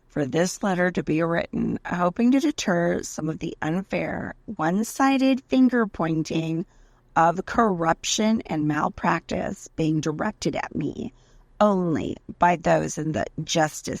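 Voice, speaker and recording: A woman giving a dramatic reading of a letter, with deliberate, emphatic, theatrical phrasing. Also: lowish voice, gravelly, no room sound. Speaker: narrator reading a letter aloud.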